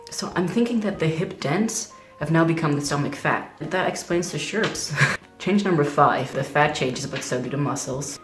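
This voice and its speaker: A man's voice: on the high side, normal speed, echoey room, over music. A young trans man talking candidly in a casual video diary, chatty and full of "like" fillers. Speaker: vlogger.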